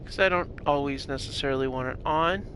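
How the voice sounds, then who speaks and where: A man's voice: a little high, brisk, sharp tone, a little hiss or hum, low-quality recording. A congested man with a nasal sound, casually thinking aloud and muttering as he plays a game. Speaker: let's play gamer. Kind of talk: casual gameplay commentary.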